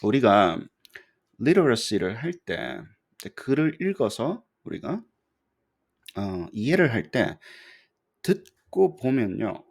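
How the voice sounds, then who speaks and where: Husky, lively Korean male lecturer. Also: mid-range voice. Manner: conversational, asks the audience for agreement often; mixes English terms into his speech. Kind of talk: recorded lecture.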